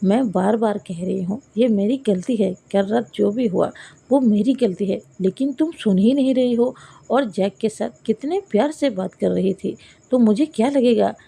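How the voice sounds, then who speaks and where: A woman's voice: medium pitch, moderate pace, vocal fry, mellow, breathy edge, no room sound. A woman reading as a jealous young woman boss. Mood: jealous, accusing. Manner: pleading, then accusing. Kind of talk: storybook reading.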